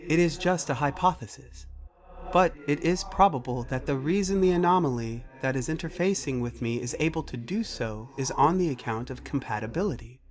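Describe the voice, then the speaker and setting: A man's voice: mid-range voice, animated, soft background music, pitched above the performer's own voice, lightly acted. Man voicing a formal female alien computer. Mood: calm, matter-of-fact. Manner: formal, precise, measured. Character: female alien computer being, calm and analytical. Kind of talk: scripted audio story.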